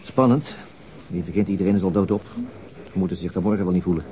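An actor playing a weary, hesitant, middle-aged police detective in a naturalistic radio drama. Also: male voice, deep voice, fast, dark tone, dull audio, a little hiss or hum, lightly acted. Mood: tired, dry. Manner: hesitant, understated. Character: weary, terse male police detective and father.

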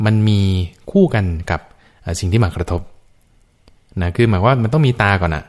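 Brief: male monk guest on a radio Dhamma show, fairly low voice, patient and explanatory, peppered with soft fillers. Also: lively intonation, a little fast. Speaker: Buddhist monk. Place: radio studio.

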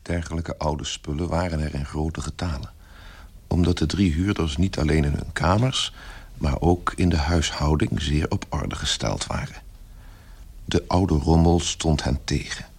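A man's voice: extremely low pitch, a little slow, darkish tone, slightly rough, heavily acted. A man giving scripted literary narration in a radio play as a sombre, detached storyteller.

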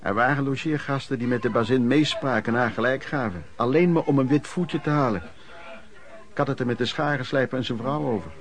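A male actor plays an earnest storyteller in a radio drama. He recalls events with aghast expressiveness in a medium-pitched voice, a crowd audible behind him. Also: brisk, natural voice. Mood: confiding. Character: male storyteller recalling lodging-house misery, shocked and earnest. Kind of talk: radio play narration.

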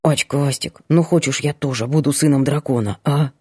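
A laid-back, teasing young man, as a woman reading a story puts him on. His voice sits low and a little husky, with an easy, playful lilt. It is recorded dry and close. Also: moderate pace, darkish tone, no room sound. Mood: soothing. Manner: soothing, playful. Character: easygoing, teasing young man, the heroine's friend.

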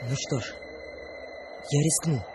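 A man's voice: fairly high pitch, takes it slowly, very noisy. An actor playing a sensitive young man, a wary dreamer, in a radio drama, questioning and earnest. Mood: earnest, intrigued. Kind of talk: Russian radio drama acting. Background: music.

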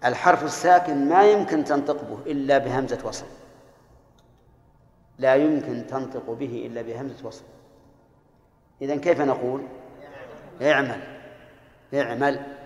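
A man's voice: medium pitch, normal speed, long pauses. A man teaching a grammar lesson, explaining step by step and quizzing his students. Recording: echoey hall with long reverb.

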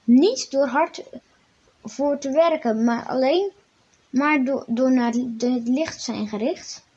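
A woman's voice: sits high, slow, darkish tone, breathy edge. A woman reading a children's Bible story aloud and then speaking directly to children, in plain read-aloud narration. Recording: dull lo-fi recording.

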